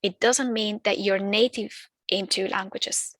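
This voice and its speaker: A woman's voice: medium pitch, fairly even intonation, measured pace, fairly bright tone, no echo, studio quality. A woman whose first language is not English, explaining terms in a training talk, with fillers and restarts. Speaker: early years language trainer.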